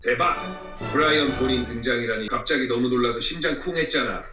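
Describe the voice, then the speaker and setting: A male AI assistant with a bright, forceful voice and a Korean-American accent. He chats effusively and a little too smoothly. The sound is echoey and slightly distant, with faint music. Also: medium pitch, fast. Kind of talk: casual conversational assistant replies.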